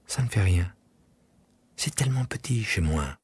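A man voicing a small, curious boy prince in an audiobook, with soft, breathy, husky tones and wondering, gently insistent questions. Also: medium pitch, normal speed, voice pushed up. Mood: wistful. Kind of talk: audiobook character voice.

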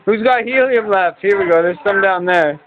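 A man's voice: high voice, moderate pace, faint music behind. A young man, chatting casually in slang, teasing and egging others on at a living-room gathering. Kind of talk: casual party banter. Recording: muffled phone-camera audio.

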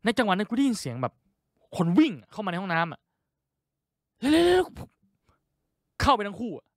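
A man's voice: sits high, very animated, racing, no room sound, studio quality. A man telling a crude, profane story as a stand-up comedian.

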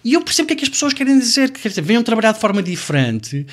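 A man with a European Portuguese accent, a service designer explaining his work in a relaxed interview with frequent restarts. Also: very high voice, racing. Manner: reflective, explains step by step with many restarts. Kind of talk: conversational interview.

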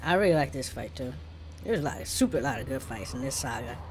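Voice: mid-range voice, expressive, fast, a little hiss or hum. A gaming streamer with an African American English accent, giving casual gameplay commentary.

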